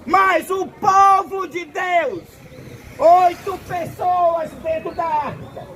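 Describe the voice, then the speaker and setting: A Brazilian man with a Brazilian Portuguese accent preaching a sermon in a slow, deliberate, emphatic way, recorded outdoors. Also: very high-pitched, fairly even intonation, pushed and bright, poor audio. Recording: outdoor traffic noise behind.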